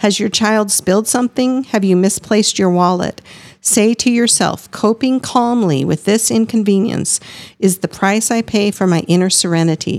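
A woman speaks in a normal speaking voice with an American accent, her pitch medium. She talks at a moderate pace with ordinary pitch variation. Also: very even loudness. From Iowa, US Midwest. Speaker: podcast guest, discussion content writer. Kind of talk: casual chat.

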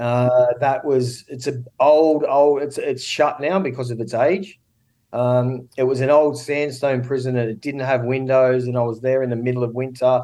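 With an Australian accent, a man speaks at a moderate pace and medium pitch, his tone dark and mellow and his intonation fairly even. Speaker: prison reform advocate and former prisoner. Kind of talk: interview. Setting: remote call.

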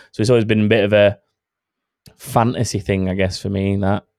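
Speaking at a moderate pace, a man with a Yorkshire accent has a fairly low pitch and fairly even intonation. The recording is very clean with a silent background, and the sound is dry and close with no echo. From Sheffield, Yorkshire, England. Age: 30s. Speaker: motorsport podcast host. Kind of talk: casual chat.

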